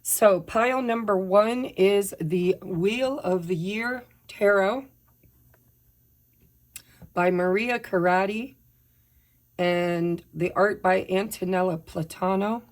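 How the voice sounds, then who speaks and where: A woman, slightly hoarse while her voice recovers, chatting casually and apologetically through a pick-a-pile tarot reading. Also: medium pitch, takes it slowly. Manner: chatty, apologetic, tells personal updates while shuffling. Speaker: tarot reader.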